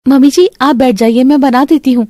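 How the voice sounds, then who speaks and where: A woman voicing a gentle, kind young daughter-in-law who speaks softly and soothingly. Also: high voice, steady tone, fairly quick, dry recording, clean studio sound, natural voice.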